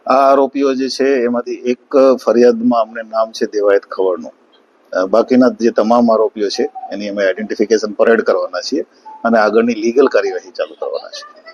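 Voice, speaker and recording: Low-voiced male officer, formal and halting, dull lo-fi sound. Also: darkish tone, slight background noise. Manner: measured, formal, with frequent hesitations. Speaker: police officer giving a statement. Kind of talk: official press statement.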